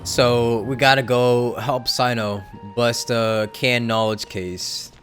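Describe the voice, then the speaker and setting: A man's voice: mid-range voice, steady tone, takes it slowly, a bit bright, soft background music. A man casually streaming a video game live, reacting aloud as he plays.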